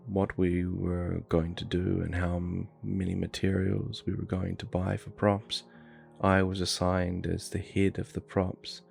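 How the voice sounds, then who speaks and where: Deep gravelly man narrating slowly. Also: a little mellow. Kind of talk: scripted horror story narration.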